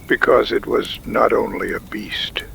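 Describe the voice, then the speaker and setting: Man playing a gravelly, whispery, solemn tribal chief. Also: lowish voice, steady tone, a bit bright, full character voice. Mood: grave, mystical. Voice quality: breathy, gravelly, often dropping to a whisper. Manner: slow, measured, grave pronouncements. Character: solemn, wise Native tribal chief in frontier America. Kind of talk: audio drama acting.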